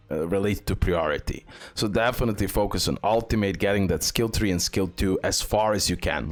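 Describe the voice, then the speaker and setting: A man hosting a game guide and showcase, talking through it with some hesitant, repetitive phrasing. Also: fairly low pitch. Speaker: gaming video host.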